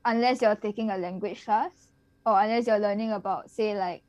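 A woman talking as a guest in a casual conversation, explaining things in a steady, even way. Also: medium pitch, a little fast, no echo, highs cut off.

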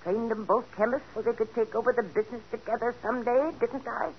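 An actress playing a stubborn, sharp-tongued woman of seventy-nine in a 1940s radio drama. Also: a little high, steady tone, fast, close to an everyday voice. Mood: imperious. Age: older. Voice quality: tart, imperious. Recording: muffled old radio broadcast with faint hiss.

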